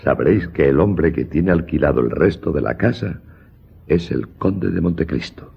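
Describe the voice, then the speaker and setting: A man's voice: extremely low pitch, animated, moderate pace, gravelly, breathy edge, full character voice. A man playing an eager, deferential innkeeper in a radio drama, with a polite, servile and gossipy manner. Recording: dull recording.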